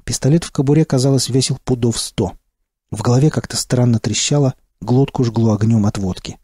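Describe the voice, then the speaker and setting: A man narrating an audiobook in the first person with a steady, terse delivery. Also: mid-range voice, a little fast, husky, no echo, clean studio sound.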